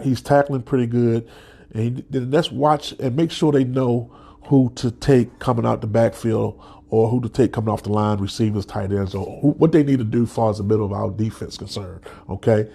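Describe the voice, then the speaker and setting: A man's voice: fairly low pitch, warm tone, breathy edge. A man hosting a solo sports podcast, stuffed up from a cold, talking as a passionate fan with many restarts and "okay?" tags. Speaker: podcast host.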